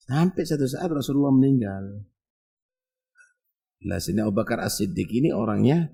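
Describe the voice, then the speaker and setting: A male preacher giving an animated Indonesian sermon, swinging from loud exclamations to quiet asides. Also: fairly low pitch, gravelly, breathy edge.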